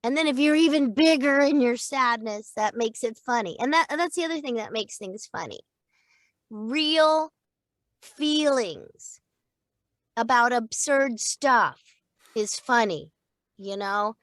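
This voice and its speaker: A middle-aged woman, a voice actor and acting coach, chatting in an interview in a lively way and laughing easily. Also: a little high, slow, no room sound. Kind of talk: casual interview chat.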